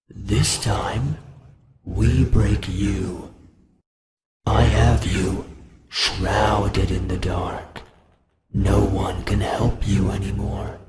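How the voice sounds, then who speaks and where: A man voicing a sadistic, taunting animatronic monster from a horror game, gravelly and deliberate in his menace. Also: on the low side, noisy background. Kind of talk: horror game villain voice lines.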